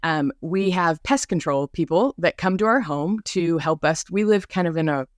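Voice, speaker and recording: A woman's voice: lowish voice, normal speed, no echo, studio quality. A woman hosting a podcast in a bubbly, chatty monologue full of asides, with a mild speech impediment on some R sounds. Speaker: podcast host. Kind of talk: casual rambling monologue.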